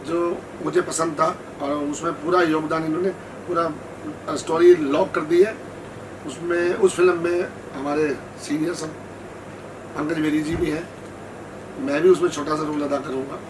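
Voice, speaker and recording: A man who works as a filmmaker giving unscripted answers at a press event. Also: fairly high pitch. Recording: distant mic, noisy room.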